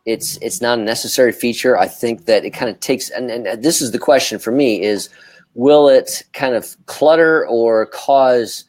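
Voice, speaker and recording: A man co-hosting and moderating a casual discussion, weighing questions in a measured, deliberating way. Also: mid-range voice, darkish tone, dry recording. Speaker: talk show co-host and moderator.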